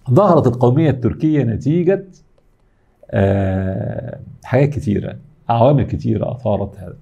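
A man's voice: mid-range voice, animated, fairly quick, vocal fry, dark tone, slightly rough, muffled recording. A middle-aged man with an Egyptian accent giving an academic lecture, explaining step by step and answering his own questions. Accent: Egyptian Arabic.

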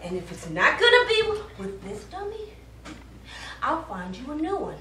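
A woman's voice: very high-pitched, huge pitch swings, normal speed, sharp tone, roomy sound, distant mic, a little hiss or hum, full character voice. A woman on stage playing a bossy, exasperated, foul-mouthed theatre stage manager, brash and emphatic. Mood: stern, threatening. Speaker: stage actor. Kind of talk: live stage comedy acting. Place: small indoor theatre stage. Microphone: far camera.

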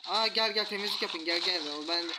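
A man commentating a mobile strategy game, taunting the enemy troops with rough slang. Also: sits high, steady tone, normal speed. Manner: taunting, trash-talks enemies, rough slang. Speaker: gaming YouTuber. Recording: loud background noise.

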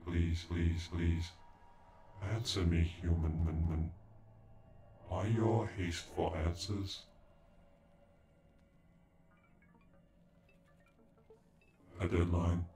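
A man's voice: low-pitched, level tone, slow, dark tone, a little hiss or hum. A man voicing a proud, cold male android in an ASMR roleplay, with stilted, formal speech that can stutter like a glitch. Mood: glitching, insistent, then calm, analytical. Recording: echoey, with background music.

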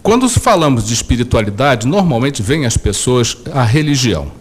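A male radio host puts questions to his guest at a middle pitch. He hesitates and fills pauses with filler sounds as he works his way toward each question. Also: big pitch swings. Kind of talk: interview questions.

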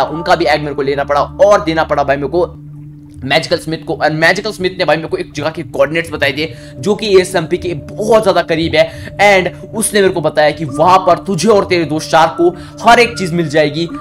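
A young man giving excitable Minecraft gameplay commentary, with frequent sudden jumps in pitch. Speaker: gaming YouTuber. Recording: music bed behind the voice.

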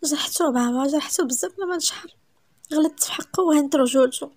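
A woman voicing an innocent, remorseful young woman in love, with a Moroccan accent and a higher pleading voice. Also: animated, quick pace, dark tone, no room sound, studio quality.

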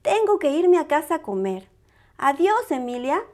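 A woman's voice: high voice, sing-song, normal speed, mellow, pitched above the performer's own voice. A woman voicing an eager, polite little boy bear cub from a storybook, childlike and earnest. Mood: dutiful.

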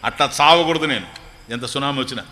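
Bright-voiced man giving a storytelling religious discourse. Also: medium pitch. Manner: chants scripture verses slowly, then explains them with jokes. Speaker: spiritual teacher giving a discourse.

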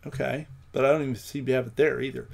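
A man hosting a programming livestream, thinking aloud as he codes, with many pauses and ums. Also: medium pitch, level tone, darkish tone. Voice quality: gravelly. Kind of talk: live coding with commentary.

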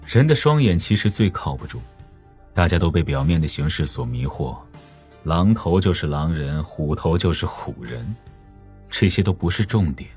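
An actor playing a cunning, teasing older mastermind in an audiobook drama, with a theatrical, unhurried drawl. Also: male voice, deep voice, big pitch swings, darkish tone, soft background music. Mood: musing.

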